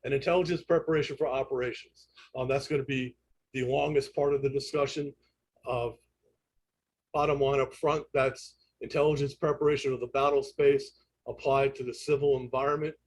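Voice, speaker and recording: A man presents an online lecture in a Brooklyn accent. His voice is husky and mid-pitched. He explains methodically, often pausing and correcting his phrasing. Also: little pitch movement, rough recording. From United States, New York. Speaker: presenter, instructor in intelligence analysis. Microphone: internet call audio.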